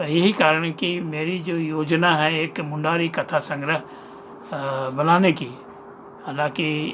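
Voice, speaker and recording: A man with a fairly high pitch keeps his intonation fairly even amid noticeable background noise. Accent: Jharkhand. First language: Mundari (speaking Hindi). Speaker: writer and former radio journalist. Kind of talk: interview talk. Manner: halting.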